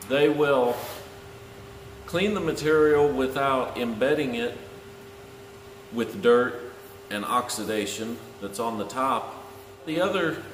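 A man in his thirties explains things slowly and plainly, as a tradesman teaching on camera. His voice rings around a big, echoey shop, with clear noise behind him. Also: mid-range voice. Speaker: welder and video host. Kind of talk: instructional talk to camera. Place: large metal-walled welding shop, indoors.

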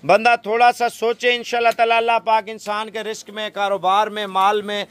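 A young Pakistani man with a high voice talks straight into a phone camera held at arm's length. He makes a persuasive sales pitch from an outdoor goat pen. He fills his talk with pious stock phrases. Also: little pitch movement, a little fast, fairly bright tone, clear, resonant tone. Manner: persuasive, salesy, heavy religious fillers. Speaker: goat farm seller.

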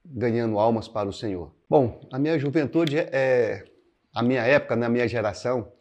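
A man in his sixties, a pastor from Minas Gerais, speaks in a middle-pitched voice. He talks slowly and reflectively, pausing to search for words and often adding little tag questions. He is close on a lapel mic in a quiet living room. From Minas Gerais, Brazil. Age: 60s. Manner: unhurried, searching for words, frequent "né" fillers, gestures with both hands. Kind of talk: reflective interview answers to camera. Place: indoors, living room with paintings. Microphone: clip-on lapel mic.

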